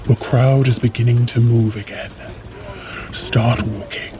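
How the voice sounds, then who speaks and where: An actor playing a grave, dry-witted ally guiding fugitives in an audio adventure, measured and cautious. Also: male voice, medium pitch, steady tone, dark tone, a little hiss or hum, lightly acted. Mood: steady guiding. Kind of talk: audio adventure drama for runners.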